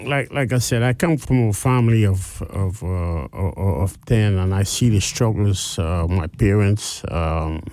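Guyanese man in his sixties, halting. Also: low voice, a little mellow, no room sound, studio quality. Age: 60s. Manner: hesitant, many fillers and restarts. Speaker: guest business owner. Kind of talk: interview.

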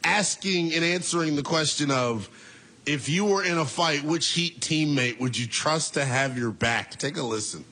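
A man in his twenties hosting a call-in sports talk show, animated and laughing as he banters with callers. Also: a little high, moderate pace, a little hiss or hum. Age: 20s.

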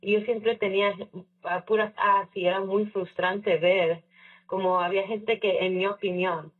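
A woman from the Chicago area of the United States, a scholarship recipient appearing as a guest, tells a casual personal story in an interview. Her husky, medium-pitched voice is steady and unhurried, reflective and full of fillers, with English phrases mixed in. She sounds far off, over a tinny, phone-like line.

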